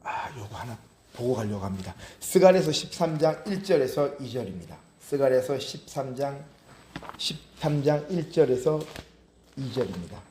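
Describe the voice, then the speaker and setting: A male pastor preaching a sermon. He reads scripture aloud slowly, then explains it in a hushed, earnest voice. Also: mid-range voice, very animated, echoey room, a little hiss or hum. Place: church sanctuary.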